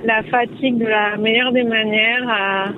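A woman with a regional French accent, a podcast guest talking from a moving car, relaxed and hesitant with many fillers. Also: a little high, measured pace, a little hiss or hum. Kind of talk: casual interview by phone. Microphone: phone. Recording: tinny phone line from a car.

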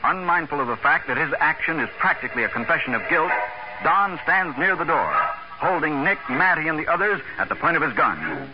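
A man's voice: on the high side, very animated, a little fast. A man narrating as a dramatic announcer for a 1940s radio mystery. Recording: muffled old radio recording. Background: loud music.

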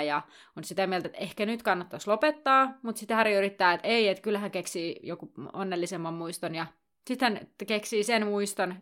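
A woman co-hosting a podcast, casually retelling a book chapter in a chatty way full of fillers. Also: on the low side. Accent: Finnish. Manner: chatty, many fillers, lively summarizing. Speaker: podcast co-host.

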